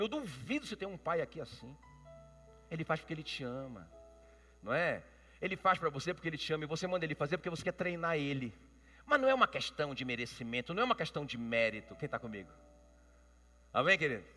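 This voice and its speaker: A man's voice: a little high, pushed and bright. A man with a Brazilian Portuguese accent preaching a sermon, emphatic and calling out to his congregation. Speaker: pastor. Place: church. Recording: long church reverb.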